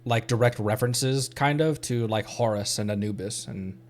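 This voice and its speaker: A man's voice: fairly low pitch, moderate pace. A man doing casual live game commentary as a streamer, hesitantly thinking aloud. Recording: faint background noise.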